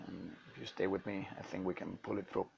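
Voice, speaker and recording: A man with a hoarse voice from a flu, giving a halting lecture over slides to medical students. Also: sits low, flat delivery, a little mellow, slight background noise. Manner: halting, many uh fillers. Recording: dull lo-fi.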